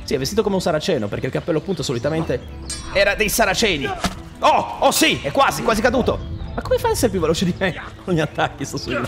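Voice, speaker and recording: A man giving excitable, jokey running commentary while playing a video game. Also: on the high side, racing, music in the background. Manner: excitable, jokey, shouts at enemies in combat. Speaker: gameplay streamer. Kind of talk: casual let's play commentary.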